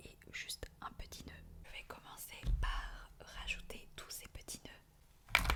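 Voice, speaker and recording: A woman whispers at a very slow pace, with big swings in loudness. Noticeable background noise can be heard. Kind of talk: ASMR whispered unboxing and packing, casual talk to camera. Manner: whispered, soft-spoken.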